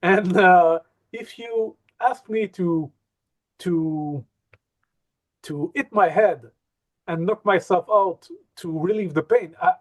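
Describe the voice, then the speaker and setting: A man's voice: high voice, takes it slowly, pauses often, poor audio. A man, a hypnosis trainer, telling a personal story in a casual interview, hesitant with many fillers and repeats.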